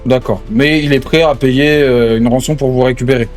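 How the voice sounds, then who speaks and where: A man's voice: medium pitch, steady tone, fairly quick, a little mellow, soft background music. A man in improvised online role-play, questioning others like an interrogator, often stumbling and repeating himself. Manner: hesitant, repetitive, pressing questioner.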